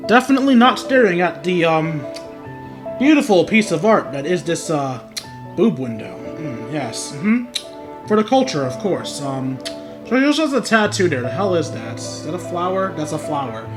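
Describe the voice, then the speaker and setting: A male game streamer with a fairly high voice jokes his way through live commentary. He is wry, theatrical and self-deprecating, with clear music behind him. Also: big pitch swings, moderate pace. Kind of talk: joking livestream game commentary.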